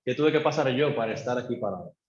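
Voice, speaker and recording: A man preaches a sermon, voicing a worshipper's pleading questions to God and calling the congregation to repeat after him. His medium-pitched voice rings through an echoey church. The recording is dull and low-fi. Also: expressive, quick pace. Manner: acts out a believer's pleading prayers to God; leads the congregation in call-and-response.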